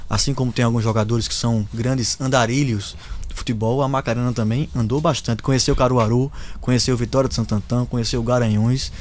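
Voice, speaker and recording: Relaxed man hosting a sports podcast. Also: mid-range voice, brisk, a little hiss or hum. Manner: relaxed, jokey, leading questions. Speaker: podcast host. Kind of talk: casual podcast interview.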